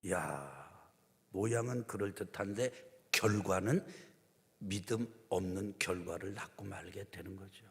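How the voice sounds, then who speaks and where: A man's voice: low voice, a little slow, gravelly. A male pastor preaching a conversational sermon, asking the congregation questions and acting out the people in his stories. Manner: acts out quotes in shifting voices. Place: church sanctuary. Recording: long church reverb.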